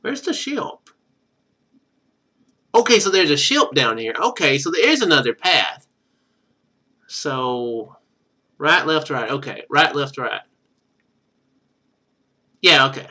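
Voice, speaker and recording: A man's voice: fairly high pitch, very animated, slow pace, pauses often, sharp tone. A man doing casual video game commentary, thinking aloud as he plays.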